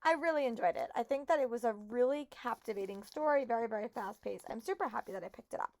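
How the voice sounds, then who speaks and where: A young woman with a hoarse voice, chatting casually and upbeat to viewers in a reading vlog. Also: a little high, fast, a little mellow, dry recording. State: hoarse, voice shot. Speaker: book vlogger.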